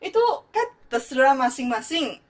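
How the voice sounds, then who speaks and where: A young woman from Malaysia speaks to her channel with a Malaysian accent. She is animated and indignant, shifting between languages. Her voice sits a little higher than most. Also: normal speed. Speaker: YouTuber. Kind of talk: vlog rant.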